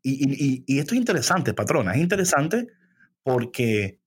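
A man co-hosting a faith podcast, talking in an expressive, preacherly way and dropping English phrases into his Spanish. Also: mid-range voice, normal speed, slightly rough. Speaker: podcast co-host.

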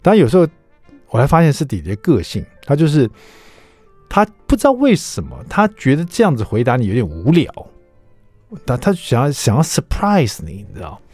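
A man's voice: medium pitch, huge pitch swings, fairly quick, a little mellow, breathy edge, no echo, faint music behind. A middle-aged man, a radio host telling family anecdotes in a chatty way and dropping in English words, on a close studio mic. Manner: chatty storyteller who drops English words into his speech.

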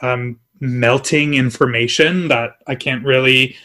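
A man's voice: medium pitch, steady tone, a little slow, sharp tone. A man co-hosting a casual podcast, teasing and meandering through his descriptions. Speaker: podcast co-host.

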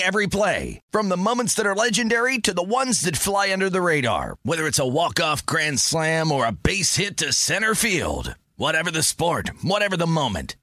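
A man's voice: a little high, pushed and bright, no echo, studio quality. A man reading a betting ad in a punchy, emphatic style. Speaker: ad announcer. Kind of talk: energetic ad read.

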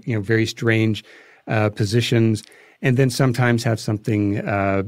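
Halting man telling anecdotes, dry close sound. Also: fairly low pitch, steady tone, no room sound. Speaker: interview guest, filmmaker. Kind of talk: interview anecdotes, conversational storytelling.

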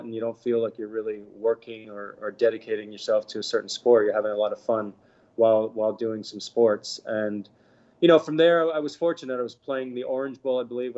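A man in his fifties from the Bahamas, telling his story in a relaxed, chatty interview with lots of fillers. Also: mid-range voice, dull audio. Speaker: guest, former tennis pro. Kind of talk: casual interview talk.

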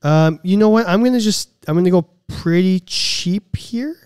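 A man with a fairly high, smooth voice chats as a podcast co-host. His delivery is casual and millennial, full of hedges and hyperbole, as he banters about exercise. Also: moderate pace, a little mellow, no echo, clean studio sound.

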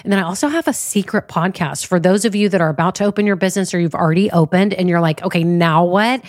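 A woman's voice: on the low side, fast talker, darkish tone, no room sound, clean studio sound. A middle-aged woman, hosting a solo business podcast with a stuffy, nasal voice and an upbeat, chatty manner. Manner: upbeat, chatty, lots of y'all. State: stuffy nose. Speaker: podcast host and business coach.

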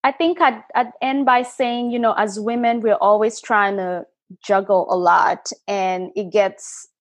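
A woman's voice: medium pitch, no echo. Woman from kenya chatting as a podcast guest, lots of ums, dry close sound. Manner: halting, with frequent fillers. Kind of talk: casual interview chat.

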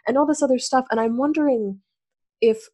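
A woman's voice: high voice, fairly quick, warm tone. A woman from the American South interviewing a guest, bubbly and enthusiastic, with frequent giggles. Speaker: podcast interviewer. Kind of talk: conversational interview.

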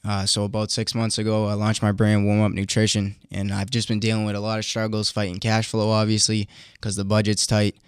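A man's voice: fairly low pitch, monotone, fairly quick, smooth, no echo, clean studio sound. A young man in his twenties with a Boston accent, introducing himself casually as a podcast guest. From Boston, USA. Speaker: podcast guest, new entrepreneur. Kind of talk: casual self-introduction and question.

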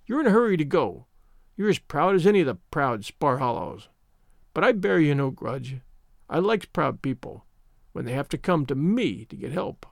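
A man's voice: fairly high pitch, very animated, normal speed, vocal fry, dry recording, clean studio sound. A man voicing a scheming old woman witch who speaks in a folksy rustic dialect. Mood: knowing.

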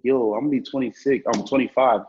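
A man's voice: medium pitch, steady tone, quick pace, darkish tone, slight background noise. A man in his twenties from New York, chatting casually in a loose, slangy, profane way. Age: 20s. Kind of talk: casual interview chat. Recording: muffled lo-fi sound.

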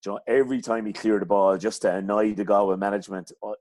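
A middle-aged hurling coach from County Clare, appearing as an interview guest, speaks with a west of Ireland accent in a low, darkish, steady voice. He talks fast, casually and colloquially, rambling through his anecdotes. The recording is dry, with no echo and little room sound.

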